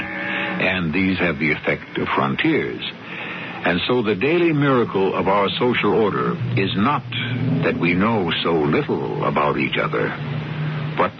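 Very deep-voiced, solemn male radio host. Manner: measured, solemn, deliberate. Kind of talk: scripted, philosophical narration. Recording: muffled radio broadcast, heavy noise.

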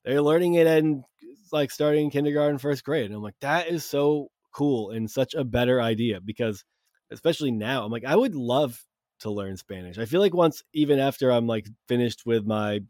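A man's voice: mid-range voice, normal speed, darkish tone, no echo, clean studio sound. A young man hosting a podcast, talking in rambling casual chat with many fillers. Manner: rambling, heavy on fillers and restarts. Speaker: podcast host.

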